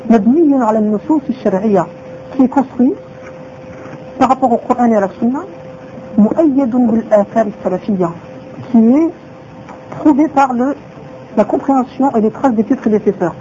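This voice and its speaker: A woman's voice: fairly high pitch, fast talker, pauses often, dark tone, a little hiss or hum. A woman teaching a religious lesson who repeats her phrases and asks rhetorical questions, on a dull lo-fi recording.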